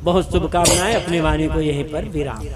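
A man's voice: a little high, a little fast. A man giving a devotional sermon, earnest and repeating key phrases for emphasis. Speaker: spiritual teacher giving a discourse. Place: religious assembly.

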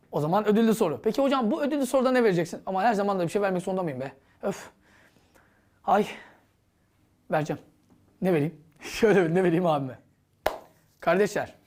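A woman teaches an exam-prep grammar lesson with a very lively, swooping voice that rises and falls constantly. She poses questions to herself and answers them, mixing instruction with playful classroom banter. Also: medium pitch.

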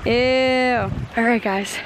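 A woman's voice: a little high, fairly even intonation, very slow. A woman in her early twenties with an American accent, chatting casually and bubbly as a vlogger, often saying "like". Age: early 20s. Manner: bubbly, informal, frequent "like". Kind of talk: casual chatty vlog with a friend. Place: open lakeside beach, outdoors. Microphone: camera held at arm's length. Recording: very windy outdoor handheld camera audio.

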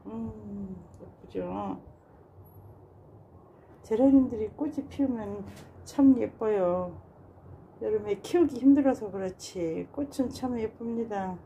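A woman with a mellow, warm voice talks in a relaxed, casual way as she shows her balcony plants, sighing softly in admiration. A faint hum of ambient noise sits behind her. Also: medium pitch. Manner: gushing and admiring, with soft sighs. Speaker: gardening vlogger. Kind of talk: casual narration while showing plants. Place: home balcony garden.

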